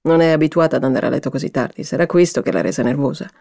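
A woman reading aloud and voicing an angry, vain mother who scolds her daughter with a hoarse, contemptuous voice. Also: low voice, very fast, warm tone, dry recording, studio quality. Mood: smug. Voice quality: hoarse with anger. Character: furious domineering mother, vain and shrill. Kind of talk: audiobook character reading.

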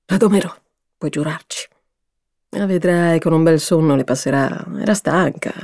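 A woman reading aloud and voicing an angry, vain mother who scolds her daughter with a hoarse, contemptuous voice. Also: low-pitched, moderate pace, darkish tone, no echo, studio quality. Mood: smug. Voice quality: hoarse with anger. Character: furious domineering mother, vain and shrill. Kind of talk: audiobook character reading.

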